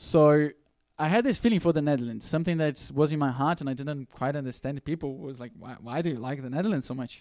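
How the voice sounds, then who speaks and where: A man talks very fast in a Brazilian accent, his pitch fairly high with ordinary variation. The recording is very clean, with a silent background. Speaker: missionary speaker. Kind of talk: testimony and presentation to audience. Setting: stage with audience and slides.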